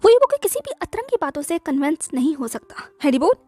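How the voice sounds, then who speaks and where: Woman narrator for a serialized audiobook; high, quick, chatty delivery. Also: very animated, a little mellow, no echo. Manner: brisk, conversational, mixing in English words. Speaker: author and narrator. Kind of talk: audiobook narration of a romance story.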